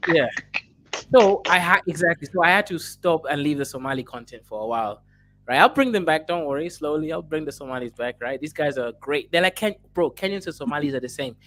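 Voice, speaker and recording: A man's voice: a little high, expressive, brisk, fairly bright tone, a little hiss or hum. Man hosting a casual livestream. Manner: loose, jokey, mocking put-on voices. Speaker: stream host. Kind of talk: casual stream chat.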